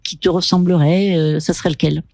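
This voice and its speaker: A woman's voice: on the low side, fairly even intonation, a little fast, dark tone, no room sound. Chatty woman radio host, dry studio. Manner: friendly, rambling questions with many fillers. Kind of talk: casual radio interview.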